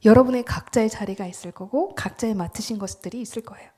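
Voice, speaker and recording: A woman's voice: a little high, fast talker, warm tone. A woman preaching a sermon in an emphatic style, often dropping to a whisper and asking the congregation questions she then answers herself. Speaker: pastor.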